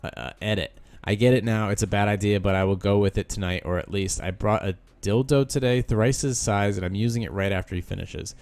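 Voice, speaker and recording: A man reads someone's post out loud on his podcast. He stops often to add sarcastic remarks of his own. It sounds like a relaxed, talky solo show. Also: fairly low pitch, brisk, few pauses. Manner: sarcastic asides between read lines. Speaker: podcast host. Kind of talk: reading a post aloud with commentary.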